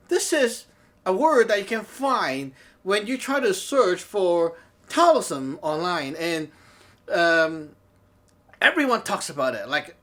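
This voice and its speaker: A man's voice: sits high, a bit bright. Chatty man. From Hong Kong. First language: Cantonese. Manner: chatty, laughs often, keeps asking "okay?". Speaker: Taoist teacher and show host. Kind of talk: casual talk show monologue. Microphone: talking to camera.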